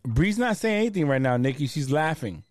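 A man hosting a casual sports chat, talking in an animated, slangy way and often repeating words. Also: on the high side, fairly quick, dry recording. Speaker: podcast host.

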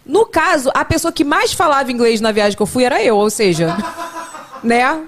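A woman's voice: sits high, moderate pace. A young woman hosting a podcast, telling stories with a joking, teasing manner. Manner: joking, teasing, animated storytelling. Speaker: podcast host. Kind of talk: casual chat.

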